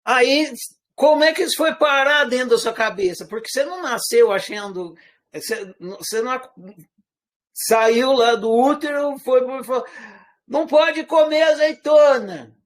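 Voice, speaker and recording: A man with a Brazilian accent that is partly from Minas Gerais and partly rural caipira, giving an informal, animated lecture full of rhetorical questions. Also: very high voice, a little slow. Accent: Brazilian Portuguese, part Minas Gerais, part rural caipira. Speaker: teacher.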